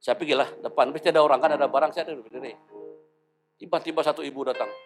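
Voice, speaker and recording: A man's voice: fairly high pitch, rapid-fire, soft background music. A pastor in his fifties preaching a sermon, telling stories and acting out the voices in them. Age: 50s. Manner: animated storytelling, acting out dialogue.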